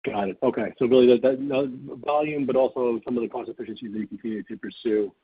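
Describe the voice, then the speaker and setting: A man with a husky voice, a financial analyst asking questions on an earnings call. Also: mid-range voice, steady tone, fast, no echo. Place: conference call. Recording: thin phone-line audio.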